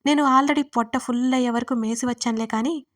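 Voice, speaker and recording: A woman voicing a chatty young college girl who loudly teases her best friend. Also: on the high side, steady tone, brisk, close to an everyday voice. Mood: teasing.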